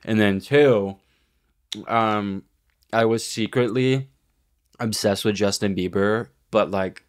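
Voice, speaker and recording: A man's voice: on the low side, slow pace. A man in his twenties from Texas, co-hosting a podcast in casual, opinionated, slangy chat. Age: 20s. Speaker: podcast co-host. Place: small room, indoors. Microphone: podcast microphone on boom arm.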